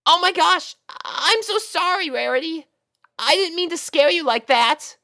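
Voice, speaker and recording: A woman voicing a young male dragon in a storybook reading, eager and bashful, with a hesitant, excitable manner. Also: very high voice, moderate pace, no echo, clean studio sound, voice pushed up, exaggerated voice. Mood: alarmed, apologetic.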